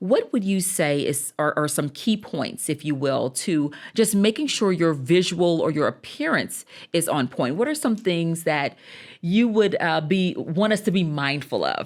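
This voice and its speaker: In a Southern US accent, a woman with a fairly low pitch speaks at a fairly slow pace with lively intonation. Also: very clean recording, silent background. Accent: Southern twang, still present. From US South. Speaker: podcast host. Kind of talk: interview.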